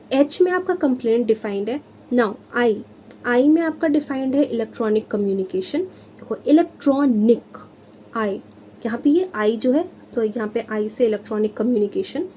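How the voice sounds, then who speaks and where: A woman's voice: on the high side, mellow, a little hiss or hum. A young Indian woman teaching law, mixing Hindi and English with friendly check-ins as she explains memory tricks. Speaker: law tutor. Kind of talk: exam-prep lesson.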